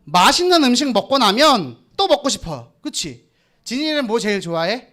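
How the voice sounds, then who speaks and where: Young guy pastor preaching to kids, really high voice, makes them repeat after him. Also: big pitch swings, normal speed, pushed and bright. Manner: call-and-response with kids, teasing. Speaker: children's pastor. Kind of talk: children's sermon. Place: church children's worship room.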